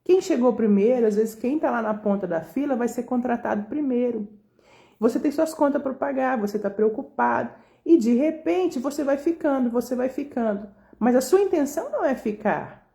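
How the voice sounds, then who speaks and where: A woman's voice: on the high side, lively intonation, brisk, gravelly, warm tone. A woman with a Brazilian Portuguese accent explaining a Bible chapter in an informal, conversational way, often checking in with her listeners. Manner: conversational, asks listeners "entende?". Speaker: Bible study leader.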